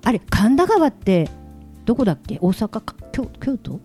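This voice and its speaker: Giggly, animated woman co-host. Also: on the high side, normal speed, faint music behind. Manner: lively, giggly storytelling. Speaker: radio show co-host. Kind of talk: casual chat.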